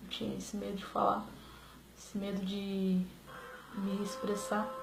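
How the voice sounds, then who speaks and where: Over noticeable background noise and audible room echo, a woman talks at a medium pitch with monotone, flat intonation. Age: 20s. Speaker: person who stutters sharing her story. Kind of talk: testimony. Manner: halting, with repetitions.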